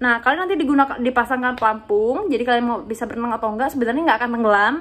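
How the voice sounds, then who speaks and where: At a very fast pace, a woman speaks in an animated tone with a high pitch and ordinary pitch variation. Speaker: flight attendant vlogger. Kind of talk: casual vlog talk to camera.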